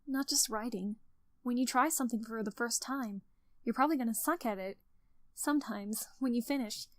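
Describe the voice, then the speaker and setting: Casting: woman to play teenage girl club president for a visual novel, higher-pitched, earnest, gently instructive, close dry sound. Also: no echo, lightly acted. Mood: earnest, wistful. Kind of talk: scripted character monologue of writing advice.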